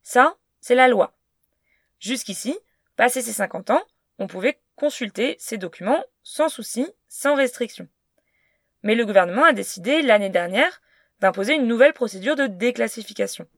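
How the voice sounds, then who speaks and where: A woman's voice: on the high side, animated, normal speed, no room sound. A woman giving a scripted, explanatory narration at a close studio mic. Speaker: podcast narrator.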